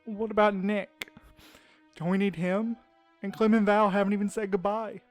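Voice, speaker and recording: An actor as a grieving, tender man, halting, over music. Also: high-pitched, level tone, natural voice. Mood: anxious. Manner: halting, emotional, pleading. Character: grieving, tender man losing his lover. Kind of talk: audio drama acting.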